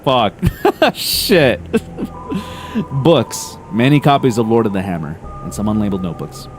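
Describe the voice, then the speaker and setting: A man's voice: medium pitch, sing-song, a little slow, slight background noise. A man giving casual commentary while streaming a game, laughing, swearing and reading on-screen text aloud.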